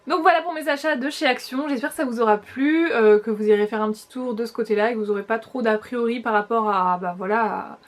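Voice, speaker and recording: A young woman with a fairly high voice talks through a makeup haul in a loose, chatty way. She speaks straight to her viewers and often stops and restarts mid-phrase. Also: quick pace, few pauses. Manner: chatty, hesitant restarts, addresses viewers directly. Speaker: beauty vlogger. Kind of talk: casual makeup haul review.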